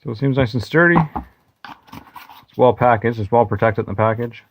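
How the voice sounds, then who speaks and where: A man narrating an unboxing in a plain, matter-of-fact way, pausing now and then. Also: mid-range voice, a little hiss or hum. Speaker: channel host.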